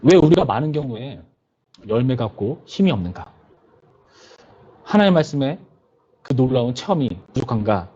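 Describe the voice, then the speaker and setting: A man's voice: mid-range voice, big pitch swings, normal speed, pauses often, dark tone, slightly rough, lo-fi sound. A male pastor preaching to a youth service in a conversational way, often putting questions to his listeners.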